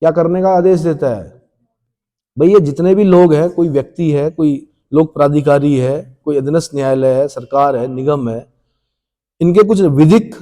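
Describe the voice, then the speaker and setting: Man, classroom lecture, coaching teacher, repeats points, asks the class questions, mellow tone, long room reverb. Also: sits high. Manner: repetitive, drilling questions to the class.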